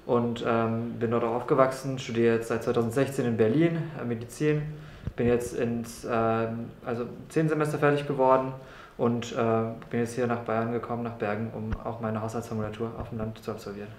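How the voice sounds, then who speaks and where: A man's voice: mid-range voice, level tone, a little fast, a little mellow, roomy sound, slight background noise. A young man from Brussels, a medical student answering interview questions earnestly and often repeating words. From Brussels, Belgium. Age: young adult. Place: room in a doctor's practice.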